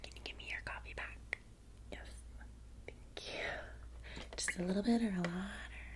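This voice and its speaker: A woman with a Valley girl American accent softly whispers an ASMR roleplay as a vampire's chatty, soothing personal assistant. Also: mid-range voice, fairly even intonation, normal speed. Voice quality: soft, breathy whisper. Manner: casual, chatty Valley girl phrasing with many "like"s. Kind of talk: ASMR roleplay, soft-spoken personal attention.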